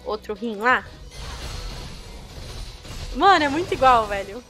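A young Brazilian woman chatting casually with viewers while streaming a game, with excitable outbursts. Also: on the high side, slow pace, soft background music. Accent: Brazilian Portuguese. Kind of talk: casual gameplay commentary.

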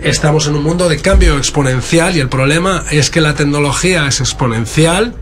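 A man with a Spain Spanish accent, interpreting a keynote simultaneously from a booth in a halting, stop-start way. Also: fairly high pitch.

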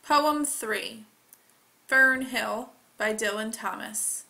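A woman reads test material aloud with careful, deliberate delivery. Her voice is fairly high and bright, and she takes her time over each phrase. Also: vocal fry. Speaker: test reader. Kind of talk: slow read-aloud of test questions.

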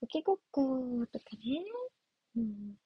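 A woman's voice: on the high side, unhurried, breathy edge, no echo, highs cut off. A young woman chatting casually on a livestream as an idol trainee, giggly and playful as she answers viewer comments. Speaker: idol trainee streaming live.

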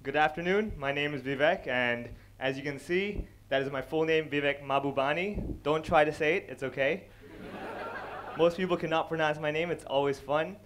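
A young man from Hong Kong doing stand-up comedy on a large stage, speaking into a headset mic and acting out characters with quick voice changes. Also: fairly high pitch, background noise. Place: large dark stage before a live audience.

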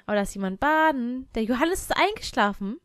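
A young woman with a fairly high voice gives casual let's-play commentary. She talks in a chatty stream, ordering her game characters about and throwing in quick exclamations. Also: expressive, dry recording, clean studio sound. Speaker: let's player.

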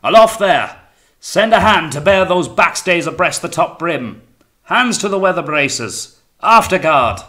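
Tyrannical ship's captain: imperious, paranoid, menacing bark, forceful edge, audiobook drama. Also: male voice, low-pitched, moderate pace, few pauses. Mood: commanding. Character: raging, bellowing, paranoid tyrannical sea captain.

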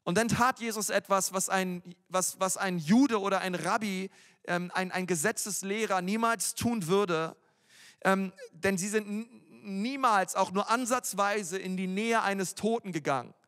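Guy preaching, pretty high voice, laid back and slangy with lots of ums, big echoey church hall. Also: a little slow, a bit bright. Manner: casual, youthful preaching with frequent fillers and slang. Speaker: pastor. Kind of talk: sermon.

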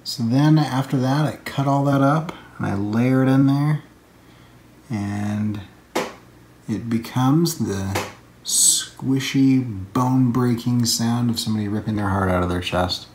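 A man in his thirties, an animator hosting his own vlog, talking in a relaxed, chatty way with fillers from his home studio. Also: mid-range voice, a little slow, slight background noise. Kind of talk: casual vlog talk. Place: home art studio, indoors.

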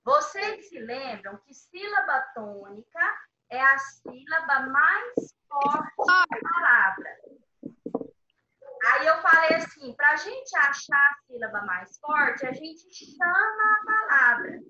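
A woman teaching young children in an online class, explaining slowly and patiently step by step. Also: high-pitched, sing-song, sharp tone. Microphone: video call. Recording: echoey, distant, dull video call.

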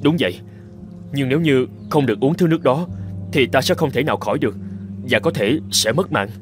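A brawny tribal chief played by a man, talking fast in a mid-pitched voice. He is earnest and theatrical, in cartoon fairy-tale style, with faint music underneath. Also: expressive, close to an everyday voice. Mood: feigned weakness. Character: brawny male tribal chief, scheming captive husband. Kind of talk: animated fairy tale dubbing.

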